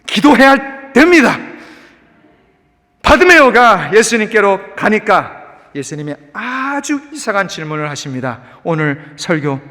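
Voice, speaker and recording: High, bright-voiced animated male pastor. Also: measured pace, long reverb tail. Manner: animated preaching, mixing English words into the talk. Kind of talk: sermon. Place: church sanctuary.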